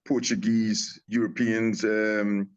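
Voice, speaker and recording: A man's voice: lowish voice, flat delivery, slow. A man from Guyana talks as an interview guest over a remote call. His speech rambles, with many restarts and fillers. The audio is muffled and lo-fi. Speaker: guest, tea company owner. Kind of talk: casual interview talk.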